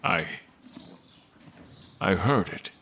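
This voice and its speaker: Slow, low-voiced frightened captive. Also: male voice, lively intonation, a bit bright, slight background noise, heavily acted. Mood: shaken, halting. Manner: halting, hesitant, plainspoken. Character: frightened, confused captive man, wary and defiant. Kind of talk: audio drama acting.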